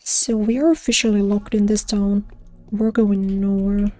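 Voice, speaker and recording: A woman's voice: mid-range voice, level tone, unhurried, warm tone. A woman streamer chatting casually over her gameplay, laid-back and self-deprecating, her voice strained and fading. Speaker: streamer playing a game.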